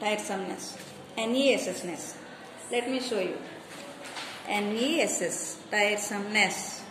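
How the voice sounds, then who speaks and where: A woman with a Telugu accent speaks at a fairly slow pace, with long, frequent pauses and noticeable background noise. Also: ordinary pitch variation. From India, Telugu-speaking region. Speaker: school teacher. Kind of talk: lecture. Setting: classroom video recording. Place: classroom. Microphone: phone near.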